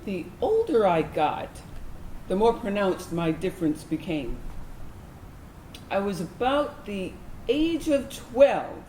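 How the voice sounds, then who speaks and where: Reflective lesbian, played by a woman, slow confessional stage monologue recalling girlhood, echoey room, slight noise. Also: mid-range voice, warm tone, natural voice. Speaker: actor in a staged reading. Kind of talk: dramatic monologue reading. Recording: roomy, noisy live stage recording.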